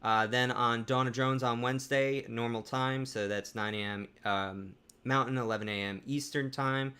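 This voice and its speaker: Bright, clear-voiced male co-host. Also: medium pitch, steady tone, normal speed. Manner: conversational, with frequent restarts and fillers. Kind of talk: live panel discussion.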